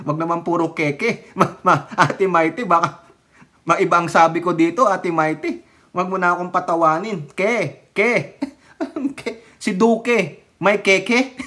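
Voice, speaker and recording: A vlogger ranting about politics in a casual, mocking way, laughing often, swearing, and jumping sharply in pitch and loudness. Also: a little slow.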